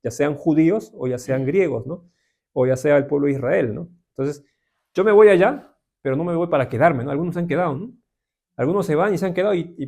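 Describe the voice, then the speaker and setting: Gravelly Peruvian man teaching Bible. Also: a little high, darkish tone. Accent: Peruvian Spanish. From Peru. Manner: conversational, many filler questions, asks the class. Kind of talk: informal Bible class.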